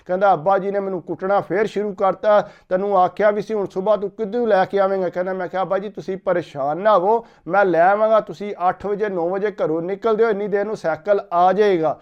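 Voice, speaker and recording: A man tells a folk story with a high, clear, smooth voice, steadily repeating "he said" as he relays each step. The recording sounds a little muffled and lo-fi. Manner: steady retelling, repeating "he said" before each line.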